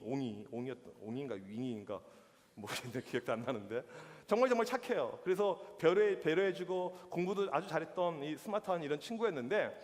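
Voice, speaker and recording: A man's voice: on the high side, big-room sound. A man preaching a youth sermon as the pastor, telling stories and acting out the reactions of people in them. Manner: animated storytelling with acted-out reactions. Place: church hall.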